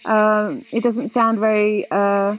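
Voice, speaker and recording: A woman in her thirties hosting a casual chat outdoors, animated and quick to laugh. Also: medium pitch, slight background noise, poor audio. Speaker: host. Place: outdoors in a garden, seated in a hammock.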